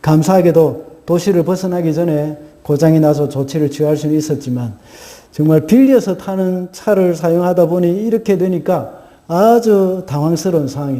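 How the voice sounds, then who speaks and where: A man's voice: on the high side, dark tone. A male pastor preaching a sermon, telling a story earnestly with hesitant fillers and small self-corrections.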